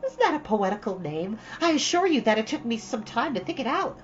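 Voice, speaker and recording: Woman playing a dreamy, animated chatterbox girl, muffled audio. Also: fairly high pitch, brisk, pitched above the performer's own voice. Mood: dreamy, excited. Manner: gushing, dramatic, earnest. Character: dreamy, chattering, romantic young orphan girl. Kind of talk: storybook read-aloud. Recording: dull, lo-fi, faint background noise.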